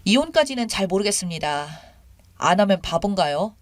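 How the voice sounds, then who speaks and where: A woman's voice: mid-range voice, very animated, normal speed, no room sound, clean studio sound. A woman in her thirties reading a first-person story in an indignant, conversational, complaining way.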